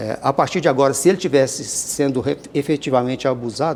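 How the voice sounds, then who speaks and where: Amid noticeable background noise, a man at a fairly high pitch talks at a moderate pace. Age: 50s. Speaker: appellate judge. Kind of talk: oral history interview. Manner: halting.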